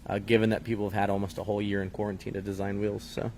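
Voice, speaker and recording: A man's voice: lowish voice, little pitch movement, a little mellow, slight background noise. A man co-hosting a live show, easygoing and joking, reading out viewer questions. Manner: easygoing, joking, quick asides. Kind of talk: casual chat.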